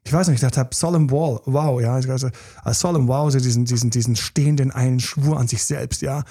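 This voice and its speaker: Host, male, mid pitch. Gravelly, husky, dark tone; candid storytelling with fillers. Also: brisk. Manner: candid, many fillers, emphatic repetitions. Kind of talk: casual personal storytelling.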